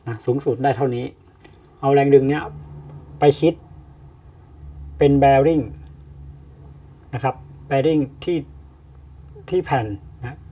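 A man teaching an engineering problem step by step, pausing often with fillers as he explains. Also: medium pitch, steady tone. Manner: slow, explains with many pauses and fillers. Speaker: engineering tutor. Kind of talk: step-by-step lecture. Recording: distant, dull lo-fi mic.

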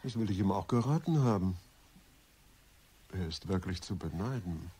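Husky, low-voiced suave flirt. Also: male voice, lively intonation, moderate pace, mellow, heavily acted. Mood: flirtatious. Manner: suave, teasing banter. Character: flirtatious, teasing male friend of a lawyer. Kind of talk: German radio play acting.

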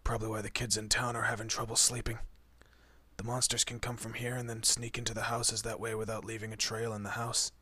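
A man's voice: on the low side, little pitch movement, fairly quick, sharp tone, husky, dry recording. A man playing a teasing, protective monster detective in a horror roleplay audio, talking casually to his human partner. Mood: intrigued, dry. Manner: casual, teasing, muttered asides. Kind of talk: horror roleplay audio drama, addressing the listener.

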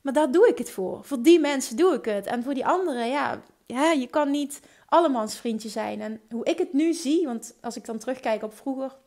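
A woman with a Limburg accent, hosting a solo podcast, talking in an energetic, enthusiastic way with quick restarts. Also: sits high. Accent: Limburg Dutch. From Limburg, Netherlands. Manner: energetic, enthusiastic, talks fast with many restarts. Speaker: podcast host.

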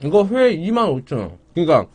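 A man's voice: fairly high pitch, wildly swooping pitch, fairly quick. A young man streaming a mukbang, chatting casually to viewers while chewing food. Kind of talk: casual live-stream chat.

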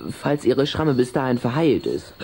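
A man's voice: medium pitch, expressive, normal speed, a little mellow, a little hiss or hum, lightly acted. An actor playing a cheeky, sly little vampire boy in a German children's radio play, brash and offhand. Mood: offhand, needling.

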